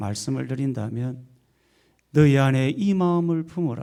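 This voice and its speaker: A man's dark, mellow tone at a fairly slow pace. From South Korea, Gyeongsang region. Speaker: pastor. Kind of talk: sermon. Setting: church.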